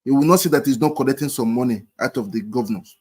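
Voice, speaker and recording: A man's voice: mid-range voice, quick pace, a little mellow, slightly rough. A man with a Nigerian accent, arguing emphatically in a casual debate over a video call, repeating himself and mixing in pidgin. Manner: repetitive, emphatic, mixes in pidgin. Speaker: discussion participant.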